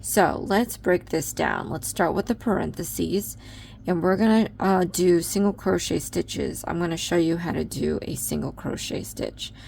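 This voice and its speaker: Woman, crochet tutorial, chatty, lots of ums, slightly low pitch. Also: measured pace, vocal fry, darkish tone, a little hiss or hum. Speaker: crochet instructor. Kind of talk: step-by-step tutorial.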